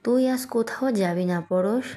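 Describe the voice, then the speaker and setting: Anxious mother of the groom read by a woman, mid pitch, audio story. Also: normal speed, dark tone, natural voice. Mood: worried.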